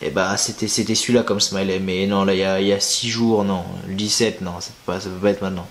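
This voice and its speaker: A man's voice: low-pitched, flat delivery, fast talker. A young man chatting casually to camera, rambling and slangy, thinking aloud as he searches for things. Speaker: wrestling news youtuber.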